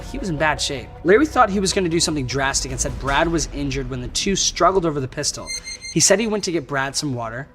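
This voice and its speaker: A man with a somewhat high voice tells a true crime story in a loose, casual way and drops wry, slangy jokes between the facts. Clear background music plays under his narration throughout. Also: fairly bright tone. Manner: wry, joking asides with slang. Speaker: true crime show host.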